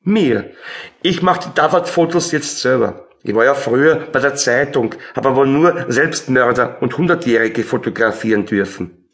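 A man's voice: mid-range voice, expressive, moderate pace, fairly bright tone. An actor playing an eager, boastful policeman in a radio play, talking colloquially with an Austrian accent. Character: eager, boastful male policeman with morbid humour.

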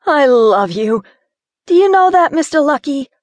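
A woman voicing a feisty young city woman who is claustrophobic and quick to panic. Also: high voice, sing-song, dry recording, voice pushed up. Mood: nervous, sassy. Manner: jumpy, sassy, quick to panic.

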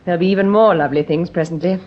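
A woman's voice: on the low side, very fast, natural voice. An actress playing a wry, teasing woman with an upper-class British accent, dry and poised, in a radio drama. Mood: friendly. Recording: dull vintage radio recording.

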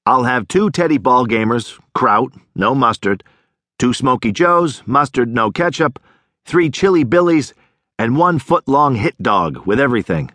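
A man's voice: medium pitch, lively intonation, a little slow, fairly bright tone, no room sound, studio quality. A male narrator voicing a white-haired older businessman who rattles off a long food order. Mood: brisk.

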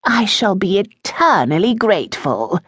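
A woman voicing a haughty aristocratic older mother with an arch, sarcastic, measured delivery. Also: mid-range voice, sing-song, a bit bright, slightly rough, no echo, studio quality, pitched above the performer's own voice, full character voice. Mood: cutting.

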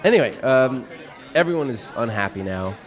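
An actor playing a nervous, smitten young man on a first date in a radio play, talking in halting, self-deprecating rambles. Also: medium pitch, animated, a crowd in the background, close to an everyday voice, poor audio. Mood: wry.

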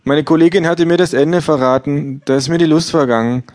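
A man voicing an indifferent female bookseller in a live comedic reading, speaking in a flat, offhand way. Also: on the high side, fairly quick, pitched above the performer's own voice, natural voice. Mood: deadpan.

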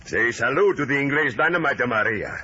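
A man's voice: medium pitch, pushed and bright. An actor playing a jovial, teasing, lazy gypsy who loves his wine, in vintage radio drama style. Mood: merry. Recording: muffled old radio recording, faint noise.

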